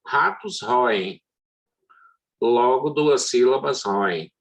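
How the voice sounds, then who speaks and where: A middle-aged man lecturing as a law professor, hesitant and full of drawn-out fillers. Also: medium pitch, lively intonation. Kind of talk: university lecture.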